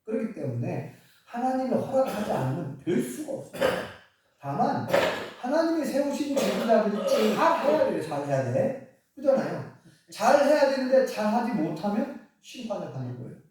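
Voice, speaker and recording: Animated preacher in an echoey church. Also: male voice, high voice, moderate pace, background noise. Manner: animated, storytelling, chuckling asides. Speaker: pastor. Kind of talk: sermon. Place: church sanctuary. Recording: echoey church hall from far off.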